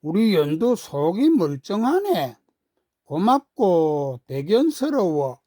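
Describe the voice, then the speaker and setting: A woman playing a gentle mother in a children's story, affectionate and patient as she explains her new resolve. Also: lowish voice, sing-song, slow, no echo, clean studio sound, full character voice. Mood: touched. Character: gentle mother newly resolved to get in shape.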